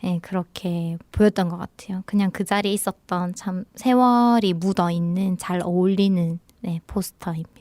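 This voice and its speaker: A woman's voice: lowish voice, steady tone, normal speed, few pauses, darkish tone, dry recording. A young woman with a Daegu accent, a film director talking reflectively and chattily in a radio interview. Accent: Daegu dialect. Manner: chatty, reflective, laughs often. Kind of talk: casual interview talk. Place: radio studio.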